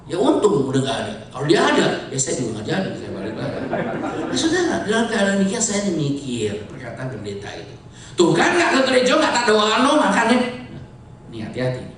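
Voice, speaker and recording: A male pastor preaches a very lively voice, dropping low for asides and rising to shouts. He sounds set back from the mic in a big, heavily echoing church hall. A faint hiss sits under the recording. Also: brisk, recorded from a distance. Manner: animated storyteller, swings from low asides to shouted points. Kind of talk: sermon with anecdotes.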